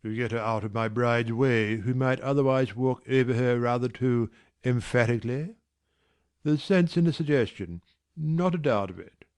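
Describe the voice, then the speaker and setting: A man voicing a brusque, teasing, middle-aged gentleman employer in a dramatized reading of a classic novel. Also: medium pitch, moderate pace, natural voice. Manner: gruff, teasing, commanding.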